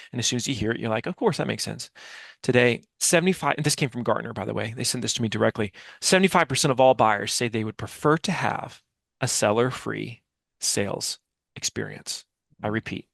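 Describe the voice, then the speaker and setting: An American man speaks as an interview guest at a middle pitch. He explains with emphasis, repeating key phrases and posing questions to his listener. The headset sound is very dry. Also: fairly bright tone, dry recording. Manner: emphatic, rhetorical repetition and questions. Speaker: podcast guest, author and business speaker. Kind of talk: explanatory interview answer with storytelling. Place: small dim home office, video call. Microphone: headset microphone.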